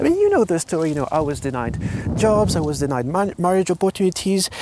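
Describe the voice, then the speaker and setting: A man with a French accent speaks in a dark, mellow tone, his intonation lively. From France. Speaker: sociologist and video essayist. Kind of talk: educational monologue.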